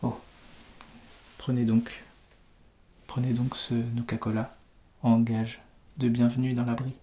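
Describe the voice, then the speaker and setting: Male, soft-spoken ASMR roleplay as a polite, reassuring bunker official; mellow, unhurried, near-whisper. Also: mid-range voice, monotone. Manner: polite, formal, soothing, often drifting into whisper. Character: courteous, reassuring male vault shelter official welcoming a resident. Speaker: ASMR performer playing a fallout-shelter host.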